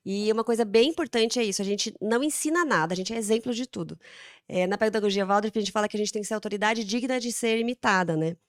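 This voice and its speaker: A woman's voice: medium pitch, fast talker, no echo, clean studio sound. A Brazilian woman, a mother and podcast host, giving casual advice and acting out talks with her children. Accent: Brazilian Portuguese. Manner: animated, acts out dialogues with her children.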